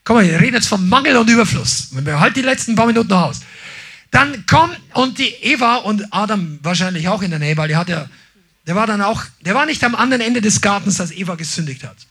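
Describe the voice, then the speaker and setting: A man preaching a sermon, animated, often shouting his emphasis and acting out quotes in little voices. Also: high-pitched, brisk, breathy edge. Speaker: pastor.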